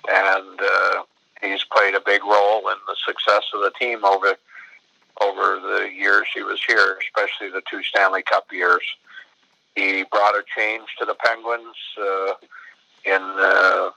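Older man, gravelly and flat, halting answers full of "uh" and restarts, tinny dry phone line. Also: fairly low pitch, dry recording. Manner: halting, many fillers and restarts. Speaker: hockey general manager interviewed.

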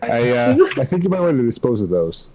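A man co-hosting a podcast, telling stories in a joking, relaxed way. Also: medium pitch, fairly quick, slight background noise, low-quality recording. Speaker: podcast co-host. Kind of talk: casual chat.

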